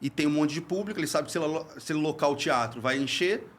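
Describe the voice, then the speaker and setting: A man's voice: fairly high pitch, quick pace, a bit bright, slight background noise. Earnest man explaining comedy craft. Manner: earnest, explanatory, repeats words while searching. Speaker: comedy teacher and podcast host. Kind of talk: casual chat.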